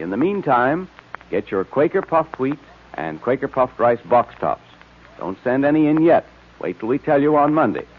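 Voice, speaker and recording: A man announcing and pitching a sponsor's product on an old radio broadcast, in a lively, persuasive 1940s announcer style. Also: narrow, tinny audio, slight background noise.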